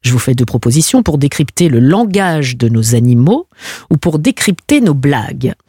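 A woman's voice: extremely low pitch, sing-song, moderate pace, dark tone, slightly rough, no room sound, clean studio sound. A woman hosting a radio quiz game, playful and teasing, laughing often between questions. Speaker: radio game show host.

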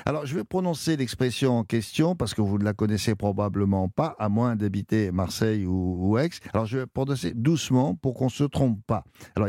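A man's voice: medium pitch, a little mellow, no echo, studio quality. A man hosting a radio show in a chatty, joking manner. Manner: jokey, chatty, quick asides. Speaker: radio host. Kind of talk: casual radio chat. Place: radio studio.

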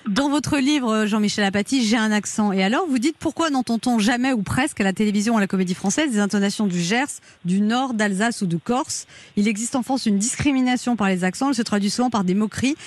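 A radio host interviewing a guest with brisk, direct questions. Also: mid-range voice.

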